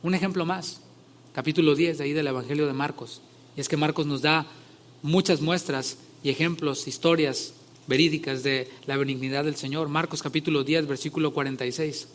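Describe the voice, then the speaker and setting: Man preaching a sermon, fairly high voice. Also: fairly even intonation, brisk. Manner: conversational, rising loud when retelling scripture scenes. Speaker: pastor.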